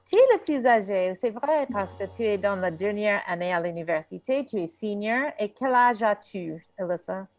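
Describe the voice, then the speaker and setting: A woman's voice: medium pitch, lively intonation, moderate pace, hardly any pauses, a little mellow. A woman teaching an online French class over a video call, mixing French and English as she encourages her students.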